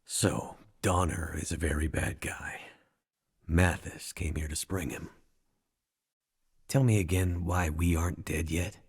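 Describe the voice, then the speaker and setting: An actor playing a wary, battered captive pilot in a video game, terse and dry, with a gravelly, husky voice. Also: male voice, low-pitched, a little slow, pauses often, exaggerated voice. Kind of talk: understated game cutscene acting.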